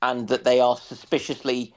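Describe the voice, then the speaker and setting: A man in casual discussion on a naval history stream, speaking haltingly with dry humour. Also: medium pitch, monotone. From United Kingdom.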